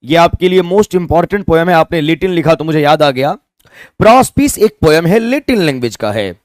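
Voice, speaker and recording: A man's voice: a little high, animated, brisk, no echo, clean studio sound. A man with an Indian accent teaching an online exam-prep English class, mixing Hindi and English, spelling words out letter by letter and asking viewers to comment their answers. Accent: Indian, Hindi-speaking.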